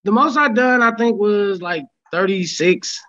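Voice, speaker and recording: A man, a stand-up comedian, chatting casually on a podcast in a relaxed, slangy way. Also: high-pitched, unhurried, dry recording. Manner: relaxed slangy storytelling, laughs often. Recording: slightly dull lo-fi sound.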